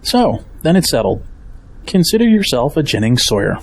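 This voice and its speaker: A man acting a kindly, steadfast family man with a husky voice in a Christian audio drama. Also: on the high side, big pitch swings, moderate pace. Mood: reassuring, practical.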